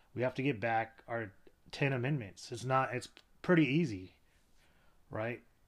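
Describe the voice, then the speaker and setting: With long, frequent pauses, a man speaks at a moderate pace in a medium-pitched voice with ordinary pitch variation. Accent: American. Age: 40s. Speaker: podcast host. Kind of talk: casual political monologue. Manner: halting, many restarts.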